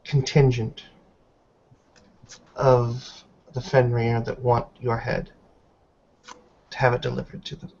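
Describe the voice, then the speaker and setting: A man playing a stern elderly tribal matriarch in a roleplay game, speaking formally in deliberate, halting phrases. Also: medium pitch, flat delivery, gravelly, a little mellow. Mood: grave, stern. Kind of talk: tabletop roleplay in character. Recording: dull online call with background noise.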